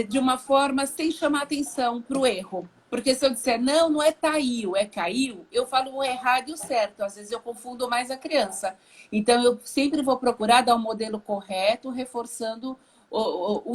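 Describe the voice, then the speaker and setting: Woman speech therapist, Brazilian accent, patient explainer on a video call, slightly high. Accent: Brazilian Portuguese. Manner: patient, demonstrates words in a singsong child-directed voice. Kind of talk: explanatory talk in a live stream.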